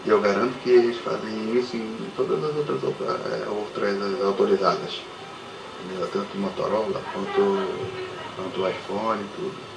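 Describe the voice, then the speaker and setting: Gravelly man, distant and echoey. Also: on the low side, fairly even intonation, moderate pace. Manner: informal, checks in with "tá?" and "entendeu?". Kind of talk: casual explanation. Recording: echoey room, far from mic, noisy.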